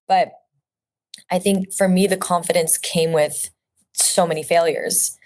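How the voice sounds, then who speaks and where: Earnest, slightly low-voiced woman. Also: steady tone, measured pace, a little mellow. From Orange County, California. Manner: earnest and reflective, with frequent "like" and restarts. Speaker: actress, interview guest. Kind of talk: casual interview conversation.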